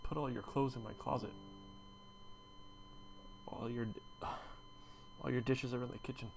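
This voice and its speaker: A man's voice: medium pitch, steady tone, normal speed, vocal fry, noisy background, close to an everyday voice. An actor playing a devoted man pleading tenderly at his lover's hospital bedside, stammering as he talks. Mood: grieving. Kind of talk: TV drama acting.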